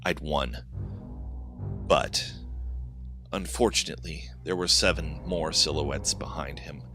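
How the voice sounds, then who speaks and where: A man's voice: rumbling low, steady tone, slow, over music. A man reading a scripted horror story as a dramatic first-person narrator.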